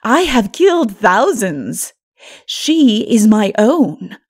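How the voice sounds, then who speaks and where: A woman voicing a proud, tyrannical princess in a dark fantasy audiobook, with a forceful, haughty delivery. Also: medium pitch, big pitch swings, slow, husky, heavily acted. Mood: cold defiance. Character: defiant proud wicked princess, tyrannical and unrepentant.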